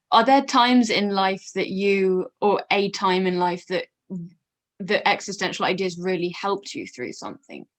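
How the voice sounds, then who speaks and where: A woman interviewing a guest, asking brief, measured questions. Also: mid-range voice, animated.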